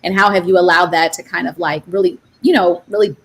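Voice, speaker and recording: A woman moderating a panel, asking questions in a halting, encouraging way. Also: on the low side, fairly even intonation, husky. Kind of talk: panel discussion.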